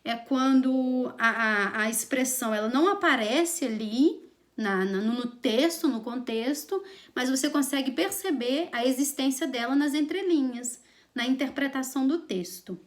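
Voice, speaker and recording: A woman's voice: sits high, normal speed. A woman teacher with a Brazilian Portuguese accent giving a recorded online lesson, playful and chatty with teasing examples.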